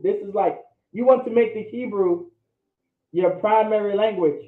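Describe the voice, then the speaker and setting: A man teaching a language class, often checking in with "all right?" and pressing his points. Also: sits high. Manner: repeats "all right?" to check understanding, emphatic. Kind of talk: classroom lecture. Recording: echoey room, phone-like audio.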